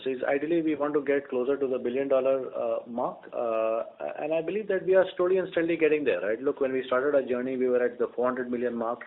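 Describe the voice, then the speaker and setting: A man answering as a company executive on an earnings call, explaining things in a measured, halting way. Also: medium pitch. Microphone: conference call line. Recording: narrow-band conference phone line.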